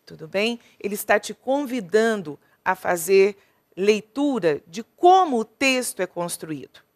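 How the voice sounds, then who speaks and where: Slow, deliberate woman teaching literature. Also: medium pitch, sing-song. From Brazil. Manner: slow and deliberate, counts syllables aloud, asks the class questions. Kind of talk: exam-prep class, reading and analysing a poem.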